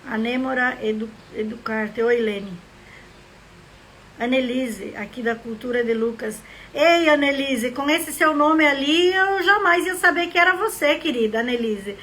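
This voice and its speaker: A woman's voice: sits high, measured pace, fairly bright tone, slight background noise. A woman from southern Brazil hosting a live stream, greeting viewers by name and drifting into reflective, rambling talk. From Rio Grande do Sul, Brazil. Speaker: live stream host, member of a literary academy.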